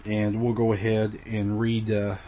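Guy doing a bible lesson, kinda husky and low, weak voice after being sick, lots of ums and restarts. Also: completely flat delivery, unhurried, mellow. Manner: casual, rambling, many fillers and restarts. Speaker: Bible study teacher.

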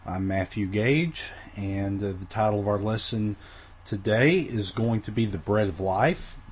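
A man's voice: fairly low pitch, measured pace, slight background noise. A man teaching a recorded Bible lesson in a casual, rambling way, with many fillers and restarts, his voice weak after the flu.

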